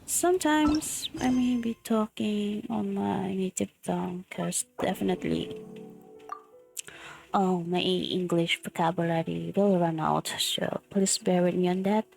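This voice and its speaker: A young Filipino woman with a cold, husky, giggling and blunt as she comments on a game, mixing English and Tagalog. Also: medium pitch, darkish tone, rough recording. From Philippines. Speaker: game streamer. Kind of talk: casual gameplay commentary. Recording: game music under voice.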